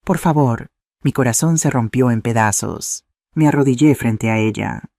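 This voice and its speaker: A man reading a scripted first-person story in a steady, earnest way. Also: mid-range voice, normal speed, creaky, no room sound, studio quality. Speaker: narrator.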